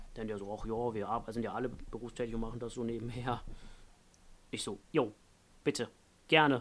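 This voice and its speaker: A man talks at a medium pitch and a fairly quick pace, with long, frequent pauses. His intonation is monotone and flat. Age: 20s. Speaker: volunteer tech team member. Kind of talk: pre-recorded self-introduction. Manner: casual.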